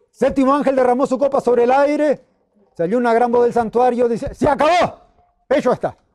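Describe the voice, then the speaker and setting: Speaking at a fairly quick pace, a man talks with an extremely high pitch. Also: ordinary pitch variation. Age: 60s. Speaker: theology instructor and preacher. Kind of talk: lecture. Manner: halting, many fillers.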